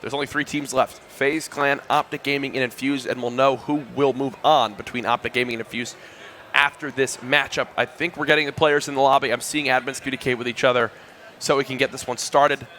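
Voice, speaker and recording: A man's voice: medium pitch, fairly even intonation, a little fast, pushed and bright, a little hiss or hum. A male esports commentator trading easygoing jokes with his co-caster while they wait for a match. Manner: joking, easygoing banter. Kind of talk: casual caster banter between matches.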